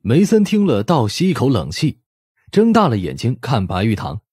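语调生动、略带沙哑的男性说书人. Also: male voice, mid-range voice, huge pitch swings, moderate pace, darkish tone, slightly rough, no room sound, clean studio sound. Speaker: audiobook narrator. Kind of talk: expressive scripted story narration.

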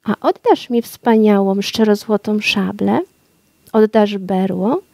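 A woman voicing a small, wise and kind male nightingale in a storybook reading, speaking softly and tenderly. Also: medium pitch, slow pace, creaky, no room sound.

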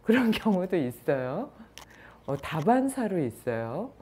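Woman teacher, mellow and husky, animated lecturer who chuckles between points. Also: on the low side, a little slow. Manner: animated storyteller who acts out everyday examples. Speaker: yoga and meditation teacher. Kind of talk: spoken lecture.

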